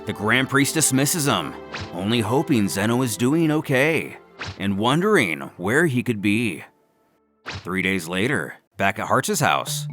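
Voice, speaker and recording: A man delivering dramatic scripted narration in a theatrical, emphatic way, as the narrator of a fan story recap. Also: medium pitch.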